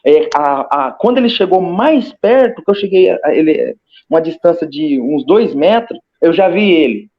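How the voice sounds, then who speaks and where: A Brazilian man tells his own story as an interview guest in a casual, halting way. His voice sits high for a man, and he stumbles and repeats words as he acts things out. The audio is a little dull and lo-fi. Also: expressive. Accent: Brazilian Portuguese. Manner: hesitant, repeats words, re-enacts with gestures. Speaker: interview guest recounting a near-death experience. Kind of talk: casual personal testimony. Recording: slightly muffled lo-fi audio.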